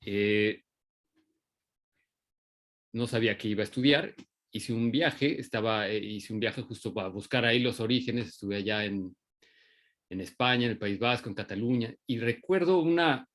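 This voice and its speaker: Man, Mexican accent, lowish pitch, halting, many restarts, casual talk. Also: a bit bright. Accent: Mexican Spanish. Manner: hesitant, many restarts and fillers. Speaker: invited puppeteer speaker. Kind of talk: informal online talk.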